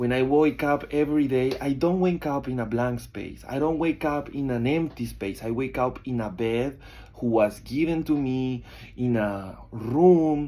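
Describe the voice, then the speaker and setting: A man with a Colombian accent speaks at a fairly slow pace. His tone is dark and mellow, with a medium pitch and ordinary pitch variation. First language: Spanish. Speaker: theology student. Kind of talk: class presentation. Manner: halting.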